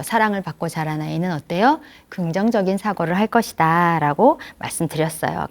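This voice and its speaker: A woman lecturing grandparents in a gentle, explanatory way, often asking the audience questions. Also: on the low side.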